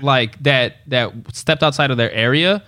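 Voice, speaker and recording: A man's voice: medium pitch, a little slow, pushed and bright, dry recording, clean studio sound. A man hosting a podcast, laid-back and enthusiastic, with lots of casual slang. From Los Angeles. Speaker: podcast host.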